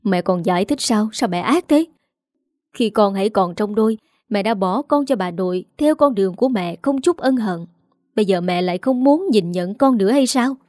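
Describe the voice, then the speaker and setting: A woman's voice: medium pitch, lively intonation, moderate pace, dry recording, clean studio sound, natural voice. A woman doing a bitter, reproachful grown son. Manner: shouting and reproachful.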